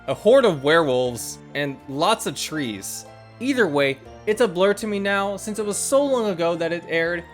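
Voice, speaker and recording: Guy with a pretty high voice doing a video essay voiceover, reflective, scripted, some music under it. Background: background music.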